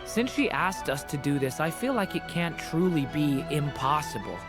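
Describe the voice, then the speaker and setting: Man as a hopeful young game mage, earnest and animated, over clear music. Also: a little high, normal speed, lightly acted. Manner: earnest, hesitant questions.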